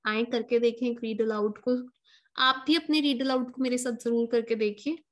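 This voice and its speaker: High-voiced woman teaching a lesson. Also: steady tone. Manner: explanatory, addresses viewers as guys, slows down to stress words. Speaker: exam prep tutor. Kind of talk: online lesson, Hindi mixed with English.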